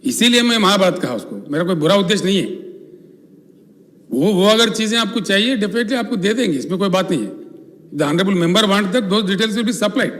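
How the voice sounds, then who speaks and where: A man's voice: high voice, fairly bright tone. A man with an Indian accent replying for the government in a legislative assembly, defensive and pleading over interruptions. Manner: defensive, talking over interruptions with repeated pleas. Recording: long reverb of a large chamber.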